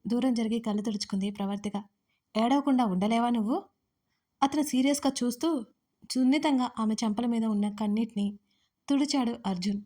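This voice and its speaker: Female audiobook storyteller, gentle even reading, warm mellow timbre, slightly high. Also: fairly quick. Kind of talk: audiobook narration.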